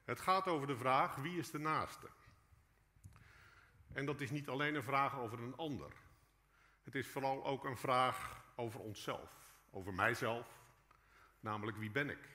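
A man delivers a sermon from a prepared text in a church, speaking in an earnest, measured way with rhetorical questions. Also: medium pitch, bright, forceful tone. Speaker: preacher, guest speaker in a church. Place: large church hall, indoors. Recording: echoey church hall with long reverb.

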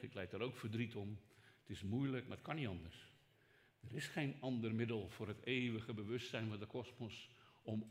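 A man preaching a sermon as pastor, emphatic and rhetorical, swinging from raised to hushed delivery and speaking straight to his listeners. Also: mid-range voice. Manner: rhetorical, addresses listeners directly.

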